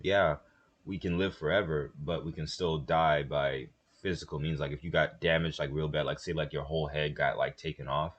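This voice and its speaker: A man's voice: very deep voice, steady tone, normal speed, highs cut off. A young man co-hosting a reaction video, rambling and hesitant in casual chat. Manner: rambling, hesitant, restarts often.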